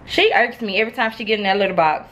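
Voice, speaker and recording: Talking very fast in a mid-range, fairly bright voice, a woman in her twenties vlogs to camera with a chatty, unfiltered rant addressed directly to viewers. She shoots on a handheld phone, starting at home and ending up in her car. The audio is poor and carries a little hiss or hum.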